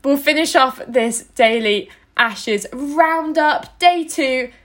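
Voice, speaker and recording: A woman's voice: sits high, takes it slowly. Teasing woman co-hosting a podcast. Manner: teasing, animated. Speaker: podcast co-host. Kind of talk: casual sports podcast chat.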